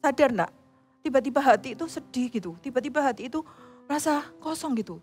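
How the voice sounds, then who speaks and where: A woman telling a Bible story to children in church, animated and acting out the quotes. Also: sits high, quick pace, breathy edge, soft background music. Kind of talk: sermon to children.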